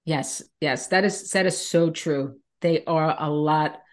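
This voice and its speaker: Woman podcast host, low-pitched voice, warm and encouraging, enthusiastic. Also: slow pace. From New York, USA. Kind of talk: casual interview conversation.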